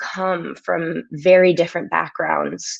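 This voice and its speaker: With an American accent, a woman speaks at a fairly slow pace in an unremarkable speaking voice, medium in pitch, with fairly even intonation. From California, US. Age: 30s. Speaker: tech program manager. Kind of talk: conference talk.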